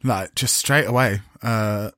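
A man's voice: fairly low pitch, slow, fairly bright tone, dry recording, clean studio sound. A man co-hosting a podcast, chatting casually and catty about a TV show, with plenty of fillers and strong opinions. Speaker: podcast co-host. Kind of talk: casual chat reviewing a TV show.

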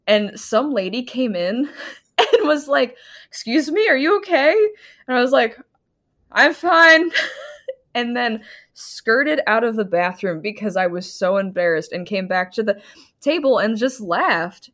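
A woman co-hosting a podcast, chatting casually and telling an animated story with frequent giggles. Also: on the high side, measured pace. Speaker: podcast co-host. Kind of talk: casual chat.

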